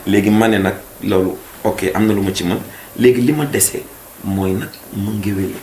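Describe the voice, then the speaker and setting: Deep-voiced male singer, earnest interview guest, recorded in a roomy space. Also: normal speed, a little mellow. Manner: earnest, mixing French and Wolof. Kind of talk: casual interview chat. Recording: echoey room with faint noise.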